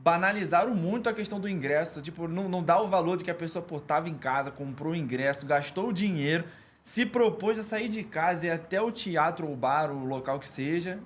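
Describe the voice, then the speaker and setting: A man's voice: a little high, lively intonation, brisk. A man in casual podcast chat, agreeable and chiming in with short remarks.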